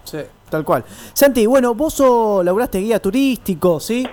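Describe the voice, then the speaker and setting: A man's voice: sits high, lively intonation, normal speed, mellow. A man with an Argentine accent co-hosts a radio show and asks friendly, loose questions full of fillers. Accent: Argentine Spanish. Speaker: radio co-host. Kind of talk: casual radio interview.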